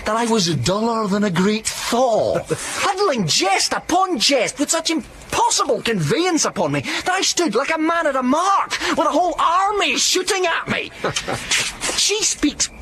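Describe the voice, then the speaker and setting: An actor playing a witty, mocking young soldier in a Shakespeare radio play, talking in an animated, theatrical way. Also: male voice, very high-pitched, slight background noise, full character voice.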